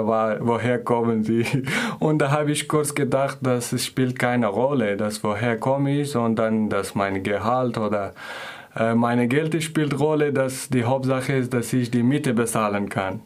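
A man's voice: mid-range voice, unhurried. A man from Afghanistan, a guest in an interview telling of his own experiences in a hesitant way, searching for words in a learned language. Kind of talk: casual personal account.

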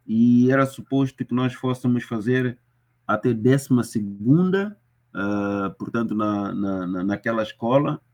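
Mozambican man in his fifties, interviewee, measured and hesitant, mid-pitched. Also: a little mellow. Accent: Mozambican Portuguese. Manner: hesitant, many fillers and restarts, measured. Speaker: interviewee, former student. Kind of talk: reflective interview recollection.

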